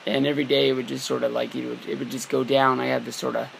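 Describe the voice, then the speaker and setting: A young man's scratchy, hoarse voice, thick with gravel and fry, fills this casual vlog. He rambles loosely in a flat, even tone, restarting his sentences and leaning on fillers. A faint hiss of room noise sits underneath. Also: medium pitch, fast. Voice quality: scratchy, worn-out voice. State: hoarse from a long weekend. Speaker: wrestling vlogger. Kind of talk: casual talk to camera.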